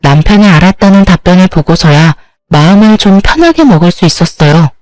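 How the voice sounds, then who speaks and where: A woman's voice: fairly low pitch, lively intonation, fairly quick, darkish tone, no room sound, faint music behind, low-quality recording. A woman narrating a first-person story about her family in a plain, confiding way.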